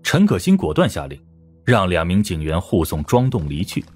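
A man's voice: low-pitched, wildly swooping pitch, moderate pace, slightly rough, soft background music. A man narrating a crime audiobook in a scripted, dramatic storytelling style.

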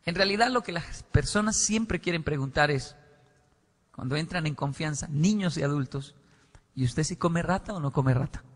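A man's voice: on the high side, normal speed. A man from Colombia giving a public lecture at a podium microphone in a large hall, telling stories and acting out dialogue. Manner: storytelling, acts out dialogue. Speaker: conference speaker. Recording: reverberant hall, played from a video.

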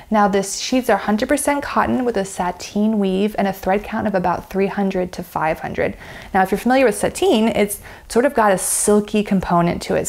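An American woman in her thirties talks to the camera from a bedroom, chatty and enthusiastic in a casual review style. Her voice sits at a middling pitch, with a noticeable gravelly fry running through her phrases. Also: darkish tone. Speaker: product reviewer. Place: bedroom, seated on a bed.

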